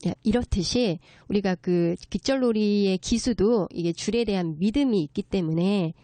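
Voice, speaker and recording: Woman, guest lecturer, mid-pitched, polite conversational explainer, dry sound. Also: normal speed, mellow, no room sound. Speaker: guest lecturer, children's story writer.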